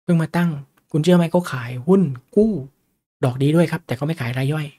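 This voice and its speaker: Speaking at a quick pace in a warm, highish voice, a stock market teacher gives a relaxed lesson on reading stock charts. He's chatty and often throws questions to the people listening.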